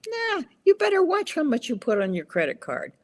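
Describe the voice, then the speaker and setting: A woman speaking as a spiritual guide in conversation, with a deliberate, affirming manner and measured phrasing. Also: high voice, wildly swooping pitch. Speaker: spiritual healing guide, podcast guest.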